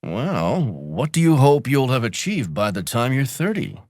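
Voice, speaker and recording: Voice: mid-range voice, sing-song, a little slow, darkish tone, no room sound, studio quality. An actor playing an encouraging friend in a scripted textbook dialogue.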